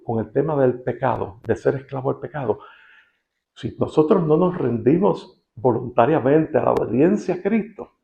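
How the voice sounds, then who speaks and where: A man with a Cuban accent preaching a sermon, shifting between soft quoted passages and emphatic rising questions. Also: medium pitch, creaky. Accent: Cuban Spanish. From Cuba. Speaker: pastor.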